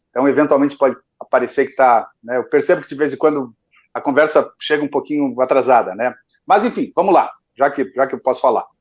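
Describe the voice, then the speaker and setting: His pitch sits fairly high and shifts by ordinary amounts as he talks at a fairly quick clip. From Rio Grande do Sul, Brazil (Lajeado). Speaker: singer-songwriter and literature teacher. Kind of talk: live interview conversation. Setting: online live stream with delay. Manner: hesitant, many fillers and repetitions.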